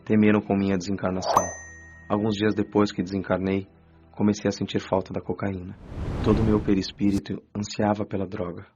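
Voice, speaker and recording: A remorseful young male spirit, played by a man tells his story earnestly in a lowish voice. The sound is dull and lo-fi. Clear music runs behind him. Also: level tone, a little fast, lightly acted. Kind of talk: radio drama acting.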